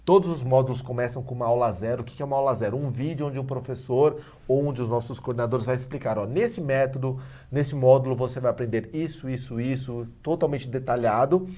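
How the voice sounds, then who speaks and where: A middle-aged man, a guest on a talk-show interview, explaining his teaching method in an animated, persuasive way. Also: mid-range voice, a little fast, few pauses. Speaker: guest, head of a language school.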